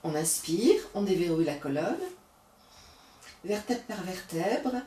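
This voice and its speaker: A woman yoga teacher giving slow, calm guided cues through a breathing and posture practice. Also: lowish voice, reverberant, distant mic, a little hiss or hum.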